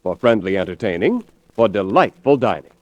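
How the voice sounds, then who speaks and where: Smooth vintage radio pitchman. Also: very animated, fairly quick, no echo. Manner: smooth, persuasive salesman delivery. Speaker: sponsor announcer. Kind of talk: 1940s radio commercial. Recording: dry, dull old radio broadcast.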